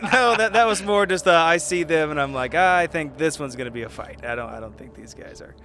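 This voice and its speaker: A man's voice: on the high side, brisk, bright, forceful tone. A man playing a tabletop game in casual chat, joking, laughing and swearing freely. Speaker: player.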